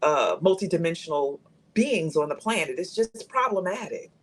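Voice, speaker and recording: A woman's voice: on the low side, animated, normal speed, husky. A woman in her fifties speaking candidly as a guest on a live talk show, reflective and thoughtful. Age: 50s.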